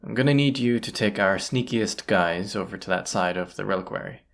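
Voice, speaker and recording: A performer voicing a folksy, plain-spoken bandit leader in an audio roleplay, with a gravelly, husky voice and a conversational, wry manner. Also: sits low, a little fast. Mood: commanding, focused. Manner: folksy, conversational, hushed at times. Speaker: character voice actor. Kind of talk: immersive audio roleplay acting, addressing the listener.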